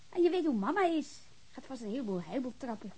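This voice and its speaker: A high, lively young woman in a radio drama. She is a cheeky student daughter, teasing and playful, with a pitch that jumps about as she probes. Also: slightly rough, exaggerated voice. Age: young adult. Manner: playful, probing. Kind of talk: Dutch radio drama dialogue.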